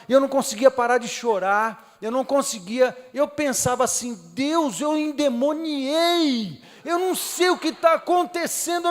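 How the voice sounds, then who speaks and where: A Brazilian man preaching a sermon, telling a story with feeling and swinging from quiet low talk to loud high cries. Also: big-room sound. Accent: Brazilian Portuguese. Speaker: pastor. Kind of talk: sermon testimony. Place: church hall.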